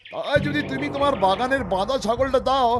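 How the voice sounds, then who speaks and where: High-pitched wheedling cartoon villager. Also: male voice, fairly quick, crowd noise. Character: wheedling, easily flustered village man seeking donations. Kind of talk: cartoon character acting. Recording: music bed behind the voice.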